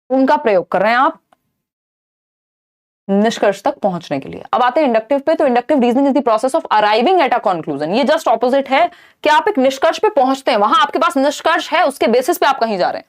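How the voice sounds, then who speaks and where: A young woman teaching an exam-prep lesson, explaining with rhetorical questions and mixing in English terms. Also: a little high. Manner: explains in Hindi with English terms, asks and answers own questions.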